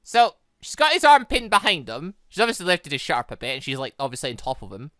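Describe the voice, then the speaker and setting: A man hosting a gaming playthrough with casual, reactive, animated commentary. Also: on the high side, fast, dry recording, clean studio sound. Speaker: gaming channel host. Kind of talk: casual let's play commentary.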